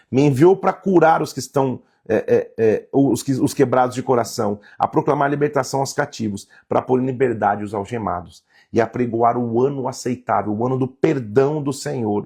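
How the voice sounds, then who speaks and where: Gravelly, husky man reading scripture. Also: mid-range voice, darkish tone. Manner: reads verses aloud, then comments in a casual tone. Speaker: Bible teacher.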